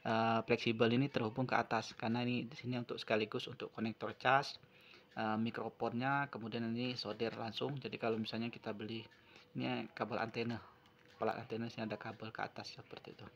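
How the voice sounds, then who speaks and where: A man's voice: medium pitch, little pitch movement, quick pace, creaky, fairly bright tone, highs cut off. A man narrating an unscripted hands-on repair tutorial, explaining step by step and often repeating himself. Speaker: phone repair tutorial presenter. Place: at a wooden table indoors.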